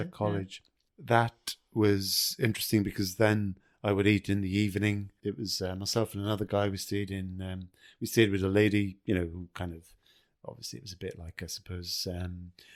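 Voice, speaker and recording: A man with an Irish accent speaks in a monotone, flat intonation with big swings in loudness, in a very clean recording with a silent background. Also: fairly low pitch for a man, moderate pace. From Ireland. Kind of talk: interview answer. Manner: hesitant, casual.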